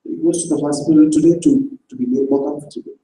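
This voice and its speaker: Brief: an actor doing a matter-of-fact doctor, warm dark tone, roomy hall. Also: male voice, fairly high pitch, level tone, quick pace, a little hiss or hum, close to an everyday voice. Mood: grave. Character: brisk middle-aged male doctor.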